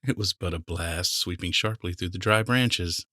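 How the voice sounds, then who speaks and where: A man's voice: deep voice, normal speed, sharp tone, no echo, clean studio sound. A man reading fiction aloud as a scripted audiobook narrator.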